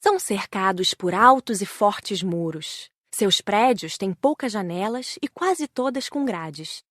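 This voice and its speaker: Woman reading audiobook narration, mid pitch, very dry close recording. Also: animated, slow, a bit bright, no echo. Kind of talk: scripted first-person narration.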